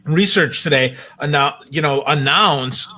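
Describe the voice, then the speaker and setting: A man with a bright, forward voice, pitched a little high, speaks as a guest on a casual talk panel. He leans on key words to make his points emphatic. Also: measured pace. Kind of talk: casual panel discussion of marketing news.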